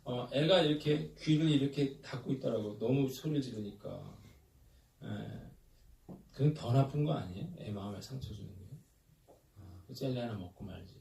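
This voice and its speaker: A man's voice: mid-range voice, gravelly, darkish tone. A male pastor preaching a sermon, talking in a conversational way with many hesitations and leading his congregation in call-and-response. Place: church sanctuary. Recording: roomy church hall, mic at a distance, faint noise.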